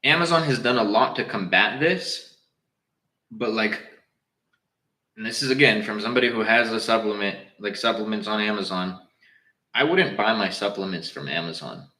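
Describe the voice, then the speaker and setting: Answering viewers on a live stream, a young man with a Southern Californian accent chats in a loose, slangy way. His slightly low voice sounds pushed and bright at a normal pace. The room around him is echoey.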